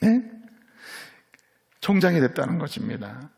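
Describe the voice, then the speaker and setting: A middle-aged man, a senior pastor, preaching a sermon as a lively storyteller who keeps checking in with his congregation. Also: fairly high pitch, measured pace, gravelly. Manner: lively storytelling preacher, voices characters in quotes, asks "예?" of the congregation.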